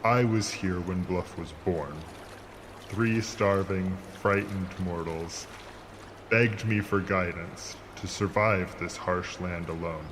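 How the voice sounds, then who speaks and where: A man's voice: low-pitched, steady tone, slow pace. A man playing an ancient, immortal sea monster in an audio drama, speaking in a grand, stern, formal and scornful way. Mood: solemn, grave. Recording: clear watery ambience noise behind voice.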